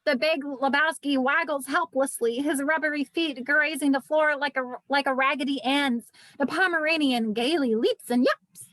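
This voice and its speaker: A woman with a high voice reads screenplay directions aloud. The sound is dry, with little room around it. It is scripted narration for a table read. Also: moderate pace, fairly bright tone, no echo.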